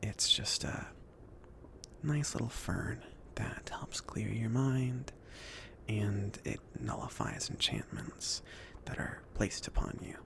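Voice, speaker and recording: A man acts out a laid-back, considerate mage in a cozy ASMR fantasy roleplay. The voice is mostly a whisper, with a crackly fry whenever it surfaces into low speech. The delivery is casual, a little hesitant and gently reassuring. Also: very animated, takes it slowly, full character voice. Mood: calm, explaining. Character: chill, considerate mage sending an apprentice on errands.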